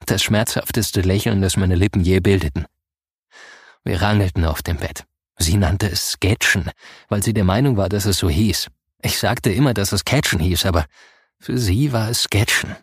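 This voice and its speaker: A man narrating a first-person audiobook in a soft, grave storytelling manner. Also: sits low, normal speed, breathy edge, no room sound, studio quality.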